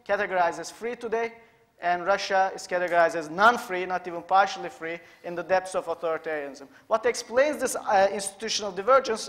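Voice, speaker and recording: A man with as his gives a measured, halting conference lecture in a hall, with frequent fillers. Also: sits high, fairly bright tone. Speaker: academic lecturer.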